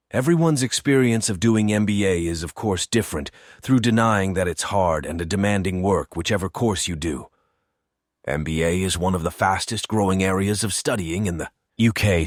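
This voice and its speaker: Male exam tutor, low pitch, deliberate read-aloud delivery, very dry sound. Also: no room sound. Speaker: test-prep teacher reading practice passages. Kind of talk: reading aloud practice passages.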